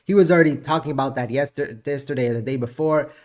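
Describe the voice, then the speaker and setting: A man's voice: mid-range voice, quick pace, darkish tone. A man hosting a casual crypto news show, rambling and chuckling as he talks, his nose stuffed up. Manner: rambling, chuckling, self-interrupting. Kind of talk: casual market commentary.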